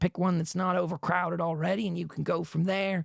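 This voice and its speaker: Putting on a character voice, a man speaks in a raspy, high-pitched tone. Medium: actual play. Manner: casual, practical.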